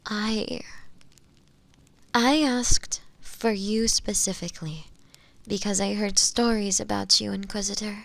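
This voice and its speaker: Acting in an audio roleplay, a woman with a medium-pitched voice portrays a meek imprisoned witch feigning frail innocence and pleading with the listener in a fantasy drama. Her slow speech is halting and deferential, full of old-fashioned formality, and often drops to a breathy near-whisper.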